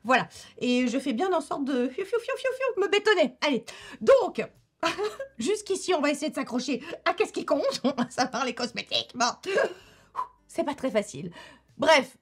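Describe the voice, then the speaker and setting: This beauty YouTuber chats casually to camera about her favourite beauty products, laughing often and repeating herself for effect. Her high voice has lively intonation at a normal speed, with soft music in the background.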